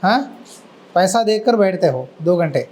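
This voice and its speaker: A male pastor giving a sermon, telling a story with lively acted-out voices and asking the listeners questions. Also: sits high, unhurried, rough recording. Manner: asks the listeners questions and answers them.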